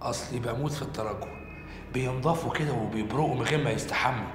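A man's voice: medium pitch, racing, echoey room, over music, lightly acted. An actor playing a flashy, boastful male detainee with an Egyptian accent, wheedling and cheeky in his street talk. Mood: chatty. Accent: Egyptian Arabic. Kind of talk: film acting.

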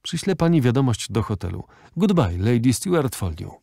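A man's voice: mid-range voice, very animated, normal speed, gravelly, mellow, no echo, studio quality. Man voicing an eager courteous sea captain.

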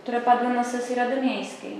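A woman's voice: fairly high pitch, fairly even intonation, moderate pace, darkish tone, slight background noise. A woman journalist asking probing, persistent questions at a press conference. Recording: echoey room, voice from far off.

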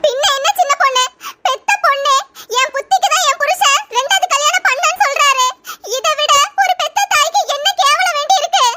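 Woman voicing a cranky cartoon mom, bitter and scornful, really high voice. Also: a little fast, sharp tone, no echo. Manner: scornful, complaining. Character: bitter scornful middle-aged mother. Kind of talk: cartoon voice acting.

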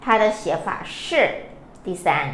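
A woman's voice: takes it slowly, a bit bright. Woman teaching, echoey room. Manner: patient, explains stroke by stroke, quizzes viewers. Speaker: Chinese language teacher. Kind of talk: live-streamed vocabulary lesson. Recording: echoey room, faint noise.

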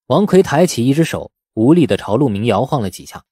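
A man narrating a novel as an audiobook, telling the story in an expressive, dramatic scripted style. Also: mid-range voice, fairly quick, breathy edge, no echo, studio quality.

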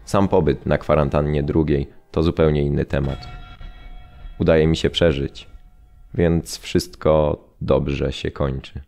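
A man's voice: rumbling low, fairly even intonation, slow pace, creaky, warm tone, full character voice. An actor in an audio drama playing a restrained camp survivor recounting his ordeal. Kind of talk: dramatic reading of prisoner testimony in an audio drama. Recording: studio voice over background music.

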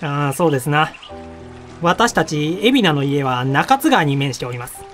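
A man's voice: a little high, sing-song, normal speed, a bit bright, soft background music. A man playing a courteous young samurai lord in a period voice drama, with polite, formal, archaic speech. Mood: courteous, respectful. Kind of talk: Japanese period voice drama acting.

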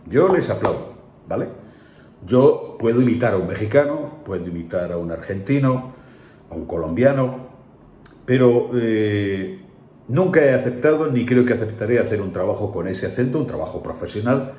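A man's voice: lowish voice, darkish tone, slight background noise. Indignant Spanish voice-over man, echoey room. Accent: Spain Spanish. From Spain. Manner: indignant, scolding, emphatic. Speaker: voice-over artist. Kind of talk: opinionated video commentary.

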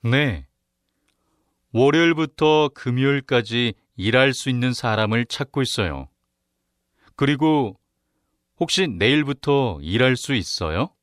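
A man reading the question numbers and his part of a listening-test dialogue, slowly and with careful enunciation. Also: medium pitch, expressive, a bit bright, no echo, studio quality. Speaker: narrator and dialogue reader on a Korean listening exam. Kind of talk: scripted exam narration and dialogue.

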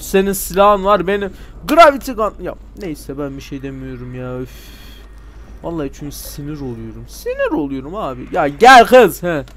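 A man with a voice pitched a little above average talks his way through a video game in loose, casual commentary. He grumbles sarcastically at the characters, argues with them, and breaks into sudden shouts when something goes wrong. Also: a little hiss or hum. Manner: excitable, talks back at game characters, sudden loud outbursts. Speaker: let's play gamer.

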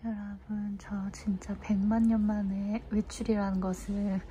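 A young woman vlogging in a soft, hushed, chatty way, talking through a face mask. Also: mid-range voice, level tone, a little slow, a little hiss or hum. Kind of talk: casual vlog talk.

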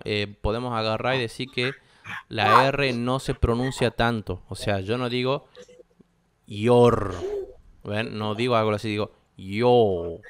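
Argentine teacher explaining patiently. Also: male voice, medium pitch, fairly bright tone, a little hiss or hum. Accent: Argentine Spanish. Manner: explains patiently, checks in with students. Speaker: English teacher. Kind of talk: classroom lesson. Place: classroom.

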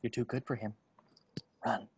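A man playing a teasing gay roommate of twenty-four at a table read, deadpan and sly. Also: mid-range voice, normal speed, husky. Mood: dry, sardonic. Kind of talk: table-read acting over video call.

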